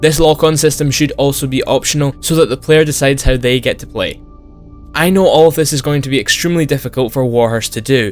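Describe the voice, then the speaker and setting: With music playing behind him, a man with a Scottish accent talks at a very fast pace in a fairly high pitch with ordinary pitch variation. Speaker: gaming YouTuber. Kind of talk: video game commentary to camera.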